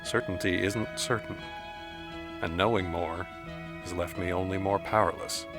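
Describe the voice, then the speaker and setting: An actor playing a dead man's trapped, anguished spirit who reads a letter in measured, formal diction in an audio drama. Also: low voice, steady tone. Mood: solemn, resigned. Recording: music under the voice.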